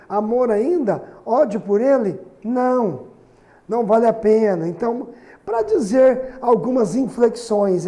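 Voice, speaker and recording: High-pitched and warm, this middle-aged man from Brazil chats his way through a recorded grammar lesson. He explains while writing on the board, repeatedly checking with students through "né?" and "certinho?"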